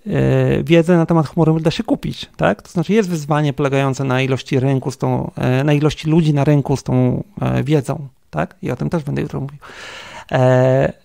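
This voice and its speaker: Mężczyzna, dyrektor techniczny firmy, jako gość rozmowy mówi swobodnie, z wieloma wtrąceniami i pytaniami „tak?”, szczerze i z przekąsem. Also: male voice, medium pitch, fairly even intonation, moderate pace, creaky, warm tone, dry recording, clean studio sound. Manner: thinks aloud with many fillers and tag questions. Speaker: guest, company CTO. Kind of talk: casual interview conversation.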